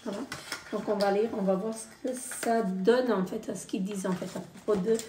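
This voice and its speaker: A woman's voice: mid-range voice, steady tone, normal speed, far from the mic, noisy background. A woman casually unboxing beauty products, often hesitating and reading the product descriptions aloud. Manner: hesitant, many fillers, reads product blurbs aloud. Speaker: beauty box unboxing vlogger. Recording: roomy, a bit off-mic.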